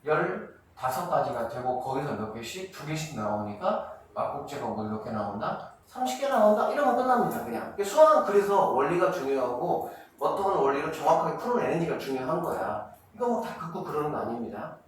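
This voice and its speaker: A middle-aged man giving a math lesson to middle school students, quizzing them and answering his own questions, drawing out key terms slowly. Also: a little high, sing-song. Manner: asks students questions and answers them himself, counts steps aloud. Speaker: math academy director teaching middle school. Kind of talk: classroom math lecture. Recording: echoey room, distant mic, faint noise.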